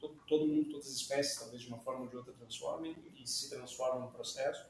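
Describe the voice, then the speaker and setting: Background noise is noticeable, and the room echo can be heard. The talking runs fairly quickly. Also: man. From Florianópolis, southern Brazil. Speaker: social impact innovation professional. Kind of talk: casual interview conversation. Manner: halting, many repetitions.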